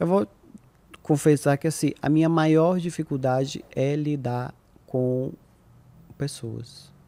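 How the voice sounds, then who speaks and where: Speaking at a very slow pace with long, frequent pauses, a man keeps his fairly high pitch in a fairly even intonation. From Uruguay. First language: Spanish (speaking Portuguese). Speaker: makeup artist and entrepreneur; podcast guest. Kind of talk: podcast interview. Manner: halting. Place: studio. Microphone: studio mic.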